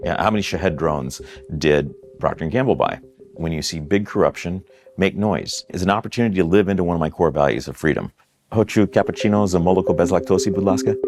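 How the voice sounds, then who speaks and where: Music plays in the background as a man with an American accent talks at a very fast pace. His pitch is very deep and low, with ordinary variation. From Oklahoma, US (Tulsa). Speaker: political strategist. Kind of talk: interview.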